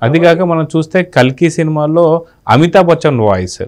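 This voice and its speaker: Quick-talking male interviewer. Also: fairly high pitch, expressive, darkish tone. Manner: leading, recaps before asking. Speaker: interviewer, channel host. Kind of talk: interview questions.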